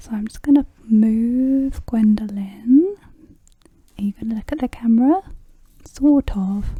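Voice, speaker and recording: The speaker is soft-spoken and talks at a fairly slow pace, with long pauses that come often. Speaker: ASMR creator. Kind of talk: soft-spoken ASMR video.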